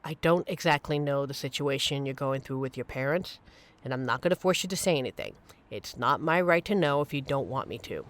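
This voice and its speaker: A woman's voice: rumbling low, expressive, brisk. A woman playing a supportive, playful young queer friend in an audio roleplay, talking casually and earnestly to reassure the listener. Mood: soft, serious.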